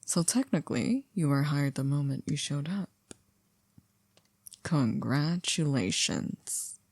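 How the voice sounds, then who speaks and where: Casting: woman as unflappable formal servant of a vampire house, very low mellow voice, dry ASMR delivery. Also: lively intonation, slightly rough, no echo, heavily acted. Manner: polite, measured, gently wry. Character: composed, formal, dryly teasing female household servant. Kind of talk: ASMR roleplay acting.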